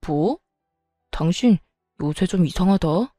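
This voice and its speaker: A selfish husband in a storybook-style revenge tale, read by a woman narrator. He brushes people off and lectures in clipped lines. The voice stays mellow and dry, with faint music underneath. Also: fairly low pitch, animated, slow, no room sound. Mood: lecturing. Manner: curt, lecturing and dismissive. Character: stingy selfish young husband, cold and dismissive.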